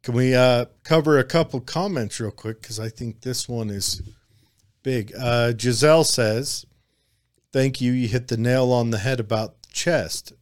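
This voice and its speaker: A man hosting a casual chat, hesitant and halting, reading out viewer comments. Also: mid-range voice. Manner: hesitant, many fillers and restarts. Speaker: host.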